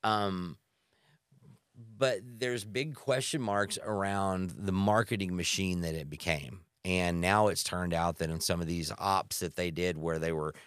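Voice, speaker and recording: A man's voice: deep voice, steady tone, unhurried, a bit bright, clear, resonant tone, no echo, studio quality. A man speaking as an interview guest, impassioned and opinionated, stressing key words and throwing out rhetorical questions. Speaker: guest speaking on anti-trafficking work.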